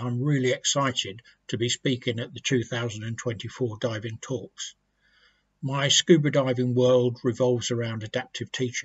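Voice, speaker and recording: A man's somewhat breathy voice with a British accent at a moderate pace. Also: fairly even intonation. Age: 70s. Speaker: retired police training director, adaptive diving instructor. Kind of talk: conference speaker introduction. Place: home room. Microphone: webcam.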